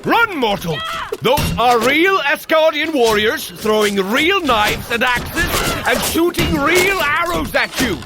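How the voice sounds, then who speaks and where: An actor playing a boisterous Asgardian warrior god who coaches a mortal through training in a fitness audio drama, with theatrical, archaic, cheerfully bloodthirsty delivery. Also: male voice, high voice, full character voice. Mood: urgent, gleeful.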